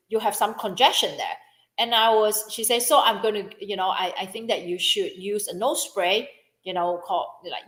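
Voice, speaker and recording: Middle-aged woman, business coach, chatty storyteller, roomy echoey sound, mid pitch. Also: a bit bright. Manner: chatty, repeats herself, quotes others in dialogue. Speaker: business coach and podcast host. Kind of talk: casual personal story with lesson. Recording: echoey room.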